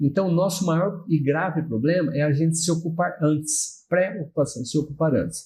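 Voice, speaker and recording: Fairly high in pitch with ordinary pitch variation, a man speaks in a dark, mellow tone. His pace is moderate, his loudness very even, and he hardly pauses at all. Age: 60s. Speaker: church member. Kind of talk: Bible study panel discussion. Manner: halting.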